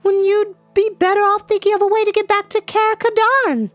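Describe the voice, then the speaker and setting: A man's voice: extremely high pitch, flat delivery, fairly quick, a bit bright, dry recording, dull audio, voice pushed up. A man voicing an outspoken, indignant young princess in a scolding, commanding way, as in a storybook reading. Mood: commanding, exasperated. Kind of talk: dramatised audiobook reading.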